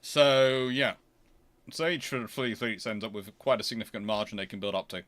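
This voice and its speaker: A man hosts a casual, unscripted question-and-answer commentary, thinking aloud haltingly and growing emphatic as he explains. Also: on the low side, fairly even intonation, a bit bright. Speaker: history channel host answering viewer questions.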